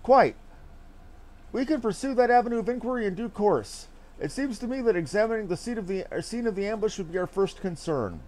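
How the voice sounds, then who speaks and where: A man reads out a courtly, eloquent adventurer from a fantasy game. The delivery is theatrical and brisk, with formal old-fashioned phrasing, a raised male pitch and wide melodic swings. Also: expressive, a little mellow. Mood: urgent, courtly. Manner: theatrical, formal archaic diction. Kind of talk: reading game dialogue aloud in character.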